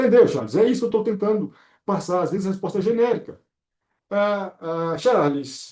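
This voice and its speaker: Dark, mellow tone from a man with a high pitch, ordinary pitch variation and a moderate pace. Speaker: career mentor. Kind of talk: online mentoring class. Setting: studio, video call.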